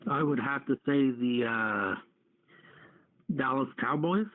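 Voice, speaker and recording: A man's voice: medium pitch, slow, no room sound. A man taking part in a quiz, guessing casually and hesitantly over a tinny radio line. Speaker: quiz contestant.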